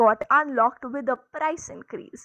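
A woman's bright, sharp voice at a fairly slow pace, with ordinary pitch variation and a dry, close sound with no echo. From India. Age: 20s. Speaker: business coach. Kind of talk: casual chat.

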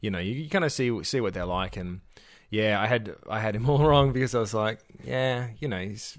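A man speaks with an Australian accent. His intonation is lively and his pace fairly quick. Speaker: band member. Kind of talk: casual chat.

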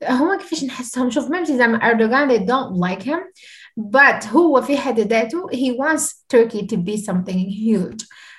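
A woman's high-pitched voice at a fairly slow pace, with an Algerian accent. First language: Algerian Arabic. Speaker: English teacher and content creator. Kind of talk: interview.

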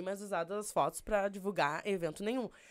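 A woman speaks at a fairly high pitch and a moderate pace. The recording is very clean, with a silent background. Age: 30s. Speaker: festival organizer. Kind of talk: casual chat.

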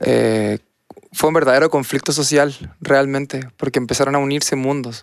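At a moderate pace, a man with a fairly high pitch speaks in a monotone, flat intonation at very even loudness. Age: 20s. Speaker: music producer and sound engineer. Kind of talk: panel discussion.

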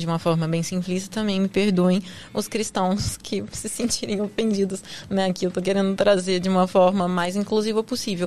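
Her medium-pitched voice carries monotone, flat intonation as the woman speaks. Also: moderate pace. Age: 30s. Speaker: holistic therapist and yoga teacher. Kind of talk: casual interview.

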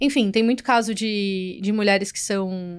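Here is a woman with an ordinary speaking voice and a fairly high pitch. She talks at a fairly slow pace with fairly even intonation. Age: 30s. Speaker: women's organization founder. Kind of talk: interview conversation.

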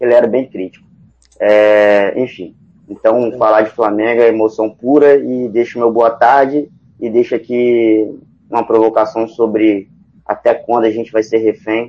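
The man's pitch is medium and his intonation is monotone and flat. He talks at a fairly slow pace. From Espírito Santo, Brazil. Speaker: football fan. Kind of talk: casual chat.

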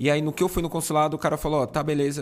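The speaker is a man whose voice has a fairly high pitch. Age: 30s. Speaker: video editor and cameraman. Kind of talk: casual interview chat.

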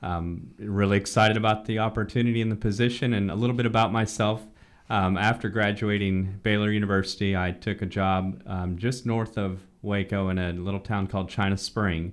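A man with a Texan accent speaks at a fairly quick pace. His pitch is fairly low and his intonation fairly even. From Texas, Houston area (League City). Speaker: high school principal. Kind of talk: interview.

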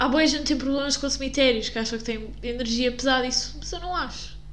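Amid noticeable background noise, a woman with a high voice talks at a fairly quick pace with ordinary pitch variation. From Portugal, Cascais. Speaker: podcast co-host. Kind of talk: casual chat. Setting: rented apartment in Porto.

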